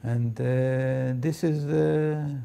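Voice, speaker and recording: An older man interviewed in his study, recalling memories slowly and hesitantly with many pauses. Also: medium pitch, fairly even intonation, creaky, mellow, soft background music. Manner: slow, hesitant, full of pauses and fillers. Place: indoor study with bookshelves.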